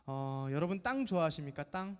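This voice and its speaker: Speaking a bit fast and smoothly, this thirtysomething man delivers an expressive, lively sermon to middle schoolers, his somewhat high voice echoing through the sanctuary's long reverb. He keeps it jokey and conversational, often quizzing the youth group.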